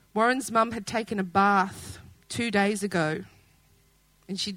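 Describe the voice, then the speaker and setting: A woman speaks at a fairly slow pace in an Australian accent. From Dandenong, Melbourne, Australia. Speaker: storyteller. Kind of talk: reading aloud.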